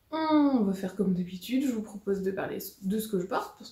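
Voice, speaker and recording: Noticeable background noise sits behind a woman speaking at a medium pitch with ordinary pitch variation. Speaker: knitting podcaster. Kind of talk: casual monologue podcast. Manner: hesitant with many fillers.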